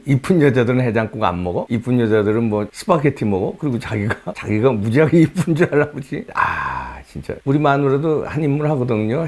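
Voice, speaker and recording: Lively, mocking male commentator. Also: mid-range voice, slightly rough. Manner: mocking, chuckles often, exasperated sighs. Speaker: host of commentary channel. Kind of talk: sarcastic political commentary.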